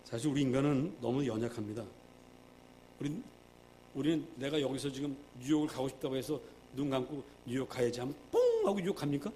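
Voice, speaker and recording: A male pastor preaching a sermon, emphatic, swinging between loud and hushed, acting out quoted prayers. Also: mid-range voice, fairly quick, a little hiss or hum.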